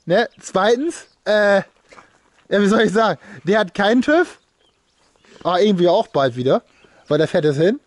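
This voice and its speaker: A man's voice: high-pitched, lively intonation, moderate pace, long pauses, no echo. A man chatting casually as a car vlogger, blunt and crude in slangy, joking banter, recorded outdoors. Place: outdoors in a farmyard beside parked cars.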